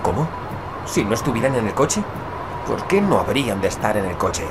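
A man's voice: lowish voice, very animated, moderate pace, heavy background noise. An actor playing an anxious, impatient stranded husband and father in an audio drama, agitated, demanding and prone to stammer.

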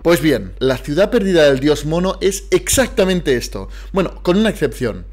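Young man, Catalan first language, fairly high voice, playful and emphatic book-channel host. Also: big pitch swings, normal speed, darkish tone, faint music behind. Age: young adult. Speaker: book vlogger. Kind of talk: scripted book recommendations to camera. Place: small indoor room lined with bookshelves.

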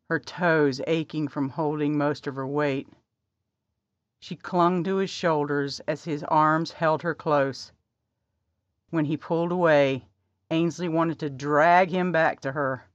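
Woman narrator, slow measured reading, dry close mic, slightly dull audio. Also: low voice, fairly even intonation, no echo. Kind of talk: scripted narration.

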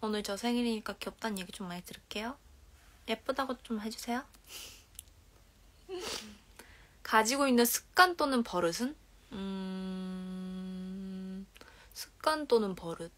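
Slightly slow and pausing often, a young woman in her twenties speaks in a mid-range voice. She hosts an idol livestream from a dim bedroom, casually reading comments aloud with a Korean regional accent, her phone held at arm's length. Her manner is soft-spoken, drifting into whispers and giggles.

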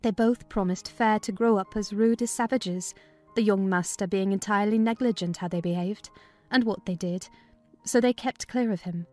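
A woman narrating a dramatized audiobook in a measured, literary storytelling manner. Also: medium pitch, a little mellow, soft background music.

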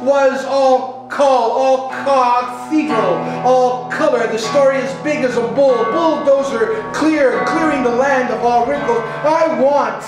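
A middle-aged man reading his own poetry dramatically, in a deliberate, incantatory manner with stuttered repetitions. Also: very high voice, fairly even intonation. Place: small indoor art gallery before an audience. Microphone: distant camera. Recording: echoey gallery room, guitar behind. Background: electric guitar with effects.

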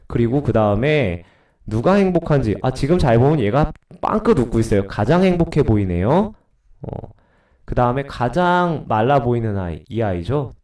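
A man's voice: medium pitch, a little mellow, recorded from a distance. Sick middle-aged guy giving a recorded english lesson, stuffy nose, chatty, voice goes up and down a lot. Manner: chatty, asks and answers his own questions. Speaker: middle school English teacher. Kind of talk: recorded grammar lecture.

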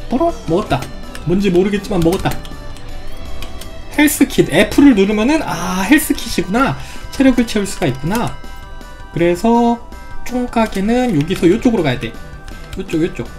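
Here a gaming YouTuber, a woman with a medium-pitched and slightly mellow voice, talks playfully through her let's play. She reacts with exclamations and throws in goofy sound effects as she goes.

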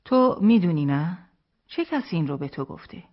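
An anxious young village wife, newly married, pleading with her husband in a soft, breathy voice, as the audiobook narrator puts her on. Her insistence rises but stays hushed. The recording sounds dull and lo-fi. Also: mid-range voice, animated. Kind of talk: audiobook character reading.

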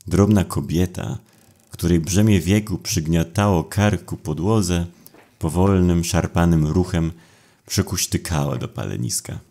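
Very deep, slow male storyteller. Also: mellow. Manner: brooding, deliberate pauses. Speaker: audiobook narrator. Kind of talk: dramatic scripted horror narration.

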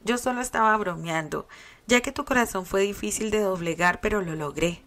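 A woman's voice: mid-range voice, normal speed, a bit bright, lightly acted. Terry: tender teasing young man, read by a woman, storybook reading.

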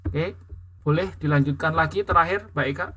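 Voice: medium pitch, brisk, a bit bright, breathy edge. A teacher from Indonesia giving an English lesson, patiently explaining words and correcting pronunciation, repeating them again and again.

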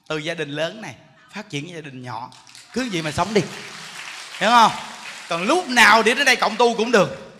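A man giving a jokey, animated Buddhist sermon in a large temple hall, often laughing while he speaks. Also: high-pitched, slight background noise. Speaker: Buddhist monk giving a dharma talk.

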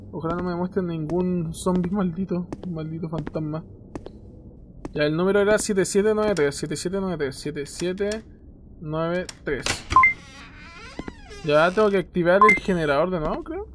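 A man's voice: high voice, normal speed, background noise. A young man with a Chilean accent giving let's play commentary on a horror game, swearing often and yelping in fright. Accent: Chilean Spanish. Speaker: gaming youtuber.

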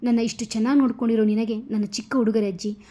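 A woman doing a pouty lively young woman. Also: fairly high pitch, fast, lightly acted. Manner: pouting, lively. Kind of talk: storybook narration.

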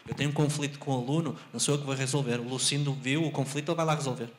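A man's voice: mid-range voice, fairly even intonation, rapid-fire, slight background noise. European Portuguese man in roomy auditorium. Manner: expansive, explanatory, asks if understood. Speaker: invited speaker, math teacher. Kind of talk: lecture answer to audience. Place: university auditorium. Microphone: handheld mic.

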